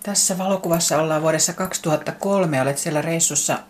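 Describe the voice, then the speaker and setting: A woman interviewer calmly leads the talk with her questions. Her voice sits very low for a woman, with a faint background hiss.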